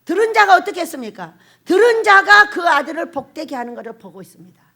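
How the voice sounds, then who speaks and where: A woman pastor delivers a sermon in a high, animated voice. Her pitch swings widely as she presses the congregation with emphatic questions. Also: fast talker, creaky. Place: church or prayer house hall.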